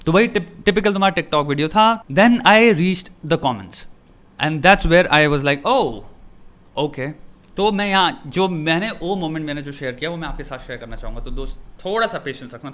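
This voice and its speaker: A young Indian man with a slightly higher voice than most men, chatting in a friendly, conversational way. He slips English phrases into his Hindi and speaks to the listener like a friend. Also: a bit bright. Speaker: YouTube commentator. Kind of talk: casual talk to camera, reading comments aloud.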